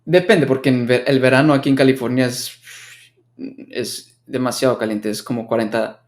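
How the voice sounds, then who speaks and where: A man's voice: mid-range voice, steady tone. Young man, chatty guest with restarts. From United States. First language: English. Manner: talks in quick bursts with many restarts. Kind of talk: casual conversational chat.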